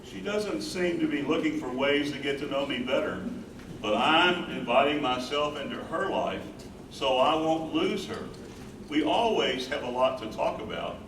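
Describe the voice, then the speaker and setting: A man's voice: a little high, animated, normal speed. A man playing an earnest, smitten young college student in a staged play reading. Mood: earnest, longing. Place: indoor venue at a live staged reading. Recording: roomy, distant stage recording with clear noise.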